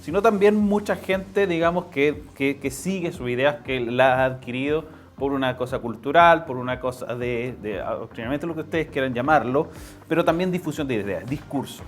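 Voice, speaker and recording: A man with a Chilean accent giving conversational political commentary as an interview guest, explaining things haltingly and repeating phrases for emphasis. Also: medium pitch, faint music behind.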